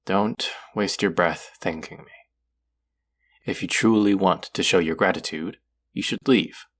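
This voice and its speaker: An actor playing a stern, haughty god of the underworld in an audio roleplay, speaking formally with an exasperated, grudging manner. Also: male voice, deep voice, measured pace. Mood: stern, dismissive. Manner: imperious, exasperated, formal speech with sighs. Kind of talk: scripted character audio roleplay.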